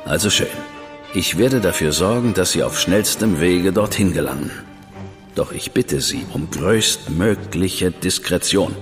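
A man's voice: low-pitched, unhurried, in a large hall, soft background music. An actor playing a stern, formal government man in an audio drama. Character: stern, proper government man, older brother figure. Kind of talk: German audio drama acting.

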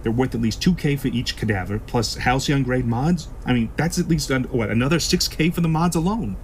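A man's voice: medium pitch, brisk, slight background noise, close to an everyday voice. A man acting a foul-mouthed, sly, sarcastic black-market shop boss in a science-fiction audio drama. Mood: businesslike. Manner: sarcastic, swearing.

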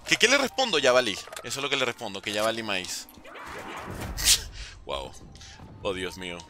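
Excitable Spanish-speaking male game streamer. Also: on the low side, measured pace, over music. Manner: excitable, yelps and repeated cries of alarm; chatty with viewers, thanks donors. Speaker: streamer playing a zombies game. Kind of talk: live gameplay commentary, reading chat.

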